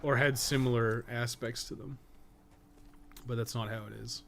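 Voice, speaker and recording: A man's voice: medium pitch, fairly even intonation, normal speed, background noise. A man giving casual live gameplay commentary, thinking aloud in a rambling way and swearing casually. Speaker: podcast co-host and game guide writer.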